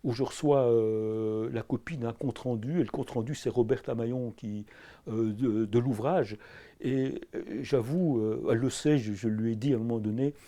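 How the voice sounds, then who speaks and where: A man's voice: medium pitch, fairly even intonation, normal speed, dark tone. A middle-aged man with a Belgian French accent, an anthropology professor answering in a filmed interview, hesitant with many fillers and restarts. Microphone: camera crew sound.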